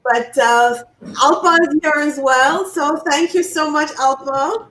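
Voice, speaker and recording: A non-native woman with a high voice casually hosts a live show in an encouraging way. She sounds distant from the microphone, in a very echoey room. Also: slow, a bit bright, slight background noise. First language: not English. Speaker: talk show host.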